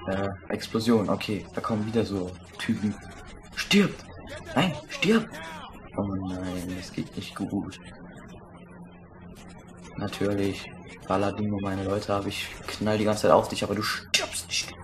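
A young man giving crude, excitable commentary while playing a shooter, swearing and shouting at enemies. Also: lowish voice, measured pace, noisy background. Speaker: let's play gamer. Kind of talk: casual gameplay commentary.

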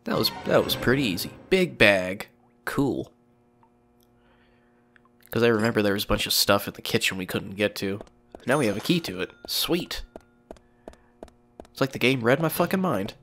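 A man's voice: on the low side, animated, moderate pace, pauses often, a bit bright, slight background noise. A man with a cold, sniffling as he chats casually and rambles while playing a video game. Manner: rambling, chatty, swears casually. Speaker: gameplay commentator. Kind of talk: casual let's play commentary.

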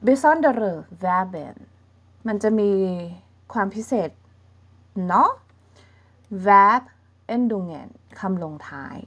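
A woman with a Thai accent teaching a German grammar lesson online, repeating words slowly and checking in with her students. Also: mid-range voice, very animated, fairly bright tone, lo-fi sound. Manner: drills words by repeating them, checks in with "remember?".

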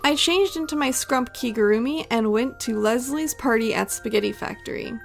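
A woman's voice: on the high side, moderate pace, creaky, soft background music. A woman narrating her vlog in a chatty, playful voice-over. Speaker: vlogger. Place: home voice-over recording.

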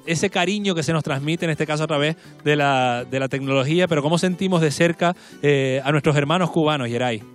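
Higher-pitched Canarian man hosting a show. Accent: Canarian Spanish. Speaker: television host. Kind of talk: presenting a live folk music show. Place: large studio-like set with seated guests. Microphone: handheld microphone.

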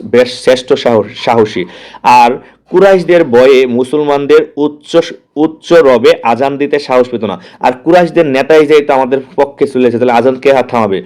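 Young guy teaching a poem, explains every word, keeps asking the class if its clear. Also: medium pitch, a little mellow. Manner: explains each word, repeats and asks the class questions. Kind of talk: poetry lesson explaining lines.

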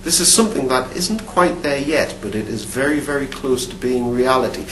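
A man's voice: medium pitch, animated, normal speed, a bit bright. A man in his fifties from Newcastle with a Geordie accent, an archaeology professor answering interview questions to camera in a thoughtful way, often restarting and repeating words. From Newcastle upon Tyne, England. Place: studio with dark backdrop. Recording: roomy, distant mic, faint hum.

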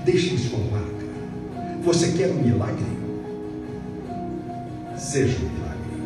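A middle-aged man giving a motivational opening speech, measured and emphatic with dramatic pauses. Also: mid-range voice, very animated. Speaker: motivational speaker. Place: video on a screen in a dark event hall. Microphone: phone filming the screen from the audience. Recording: echoey hall from far off with music.

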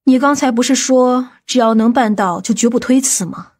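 Actress as authoritative woman of a powerful family, husky, fairly high pitch, stern, measured, audiobook dialogue. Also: darkish tone, close to an everyday voice. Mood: stern, insistent. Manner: grave, deliberate, authoritative.

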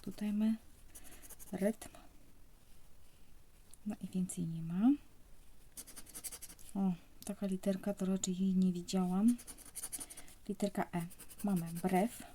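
Young woman, hushed casual commentary, mellow dark tone. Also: medium pitch, fairly even intonation, slow pace, long pauses, slight background noise. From Poland. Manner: speaks softly, often near a whisper. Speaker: vlogger scratching lottery tickets.

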